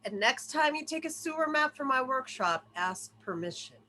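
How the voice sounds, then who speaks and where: A woman's voice: high voice, animated, moderate pace, sharp tone, a little hiss or hum. A woman playing a weary, stern, grieving father in his forties in a script table read.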